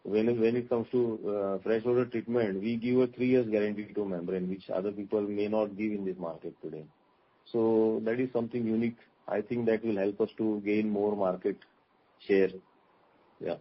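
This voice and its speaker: A man's voice: fairly low pitch, fairly even intonation, normal speed, slightly rough. A man with an Indian accent, a company executive explaining things in answer to investors on an earnings call, often restating his points. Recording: muffled, dull conference call line.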